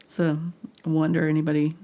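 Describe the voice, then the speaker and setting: A woman's voice: monotone, a little fast, mellow. A woman with a stuffed-up nose from a cold and audible breathing, giving casual live painting instruction in a murmured way that trails off. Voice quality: congested, stuffed nose, low husky voice. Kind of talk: casual live tutorial commentary.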